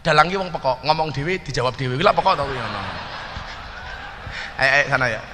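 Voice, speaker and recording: A man's voice: mid-range voice, fast, in a large hall, background noise. A man giving a humorous religious talk, teasing audience members and slipping into Javanese. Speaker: preacher.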